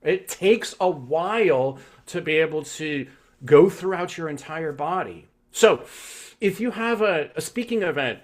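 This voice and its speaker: A man's voice: on the high side, animated, a little slow. A man teaching vocal health in a live online masterclass, coaching with frequent "right?" check-ins.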